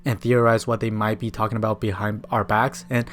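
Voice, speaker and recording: Low-voiced man. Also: level tone, a little fast. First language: Mandarin. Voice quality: non-native but fluent English. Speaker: video essayist. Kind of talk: scripted film commentary.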